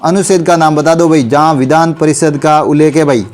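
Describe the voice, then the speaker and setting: A male teacher with a sore throat speaks in a fairly high, steady, darkish voice as he runs a quiz revision class. He repeatedly addresses students as "bhai" in a friendly way and urges them to answer quickly.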